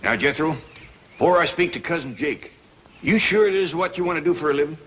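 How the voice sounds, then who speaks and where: An actor playing a kindly, humble backwoods family head who talks in a slow, polite, folksy drawl. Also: male voice, a little high, faint music behind, natural voice. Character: kindly, plainspoken backwoods patriarch, newly rich. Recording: dull 1960s TV audio, faint hiss.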